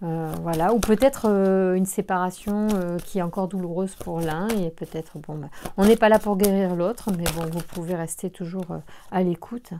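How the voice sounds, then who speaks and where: At a moderate pace, the voice has a dark, mellow tone and big swings in loudness. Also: woman, medium pitch for a woman, fairly even intonation. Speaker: tarot card reader. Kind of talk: tarot reading video. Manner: halting, many hesitations.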